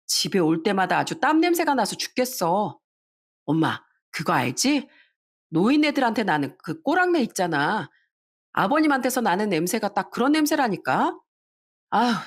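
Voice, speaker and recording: Brief: woman voicing a spoiled daughter-in-law, whiny and scolding, animated pitch, story radio. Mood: sulky. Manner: whiny, petulant, sharp-tongued.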